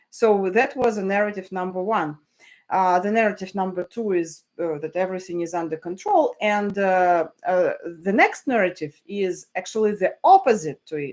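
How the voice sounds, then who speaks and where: In a very clean recording with a silent background, the speaker talks with a Russian accent. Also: woman, medium pitch for a woman, ordinary pitch variation, moderate pace. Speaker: journalist and analyst. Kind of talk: livestream commentary. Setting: livestream from home. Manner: halting, many fillers.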